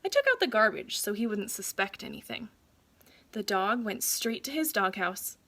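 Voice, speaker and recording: A woman reading a children's story aloud like a teacher, with deliberate, dramatic phrasing for young listeners. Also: mid-range voice, lively intonation, sharp tone.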